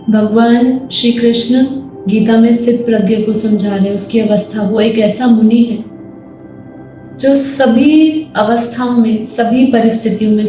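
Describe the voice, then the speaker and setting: An Indian woman leading a guided meditation with spiritual teaching, calm, measured and instructive in manner. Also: on the high side. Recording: very echoey voice over faint music. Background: soft music.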